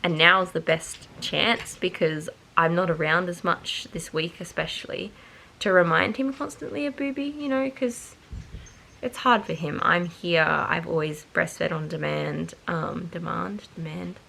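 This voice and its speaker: A woman's voice: on the low side, a little slow, creaky, sharp tone, a little hiss or hum. A tired, nasal-sounding young woman, chatting to camera and rambling as she corrects herself. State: tired and nasal with hay fever. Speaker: vlogger. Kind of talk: casual chat to camera.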